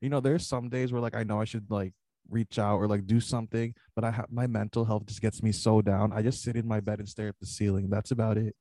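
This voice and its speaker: A man's voice: fairly low pitch, flat delivery, fast, mellow, no echo. A man in his twenties talking in a rambling, casual way, full of fillers. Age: 20s. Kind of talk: casual chat on a video call.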